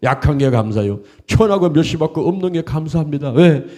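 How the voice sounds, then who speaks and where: Middle-aged male pastor, folksy animated preacher, slightly high, mellow tone. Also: a little fast. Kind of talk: sermon.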